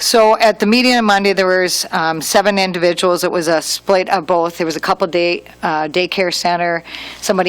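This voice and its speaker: Barely pausing, a woman at a medium pitch talks at a fairly quick pace with fairly even intonation. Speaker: city official presenting at council meeting. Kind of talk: public meeting report. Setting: city meeting room with microphones. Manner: loud; hesitant, many fillers.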